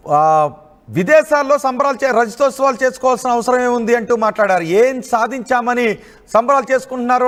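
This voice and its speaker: A woman anchoring live news, presenting developments and putting questions to a reporter. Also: fairly high pitch.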